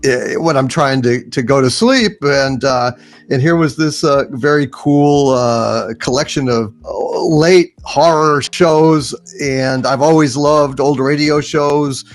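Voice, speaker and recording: A man chatting casually as a guest, in a halting, rambling way. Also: medium pitch. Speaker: guest, voice actor. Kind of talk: casual chat.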